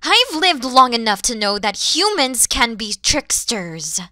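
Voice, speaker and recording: Female actor for a proud dragon mother, audio roleplay: highly expressive, slow, theatrical menace with breathy drops. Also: dry recording, studio quality, full character voice. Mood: suspicious, stern. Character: proud, wary, motherly female dragon guarding her egg. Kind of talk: ASMR audio roleplay acting.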